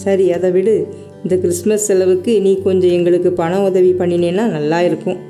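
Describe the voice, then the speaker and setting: A woman's voice: on the low side, level tone, normal speed, mellow, faint music behind, lightly acted. A middle-aged woman playing a struggling mother in a radio drama, speaking in a pleading, practical way.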